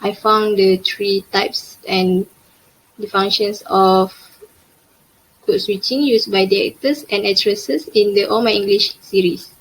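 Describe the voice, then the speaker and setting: A woman's voice: mid-range voice, steady tone, unhurried, slight background noise, poor audio. A young woman with a Malaysian accent, reading out an academic presentation carefully, with frequent hesitations. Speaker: student presenter.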